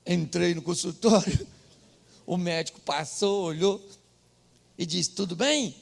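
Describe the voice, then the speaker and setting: A middle-aged Brazilian pastor telling a comic story in a sermon, dropping to murmured asides and rising to shouted punchlines. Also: male voice, high voice, unhurried, creaky.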